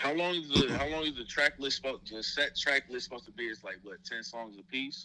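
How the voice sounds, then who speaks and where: Over noticeable background noise, a man with an American accent talks at a very fast pace, with ordinary pitch variation and big swings in loudness. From Houston, Texas. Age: 20s. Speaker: rap historian and archivist. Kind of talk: casual chat.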